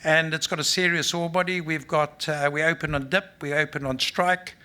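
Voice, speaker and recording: A man's voice: on the high side, fairly even intonation, moderate pace, bright, forceful tone, clear, resonant tone. A man with a South African accent, a mining company executive giving an unscripted conference presentation in a blunt, matter-of-fact way, full of fillers and restarts. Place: conference stage.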